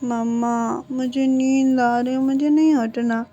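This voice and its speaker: A pampered little girl whines and pouts in a higher, sing-song voice, as a woman storyteller puts her on. The voice sits on the high side but stays mellow and soft, with a hoarse edge from a sore throat. It sounds like a girl sulking in a read-aloud fan story. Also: fairly even intonation, slow, dull audio. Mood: sleepy whining. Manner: whining, pouting pleas.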